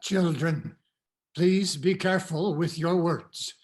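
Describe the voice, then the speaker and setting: An actor reading the part of a cautious, commanding father in a Greek tragedy, in a measured, solemn, instructive manner. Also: on the high side, a little mellow. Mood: solemn, cautioning. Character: cautious, commanding elderly father leading refugee daughters.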